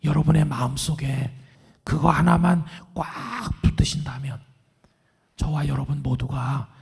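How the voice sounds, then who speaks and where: A middle-aged male pastor preaching a sermon in a hoarse, raspy, half-whispered voice after vocal cord surgery, calm and earnest. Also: medium pitch, a little slow. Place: large church sanctuary. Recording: long church hall reverb.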